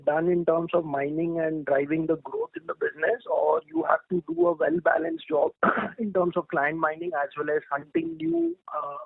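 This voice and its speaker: A man speaking as an analyst, putting wordy, formal questions in a halting way on an earnings call. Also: on the high side, gravelly, dry recording. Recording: muffled telephone conference line.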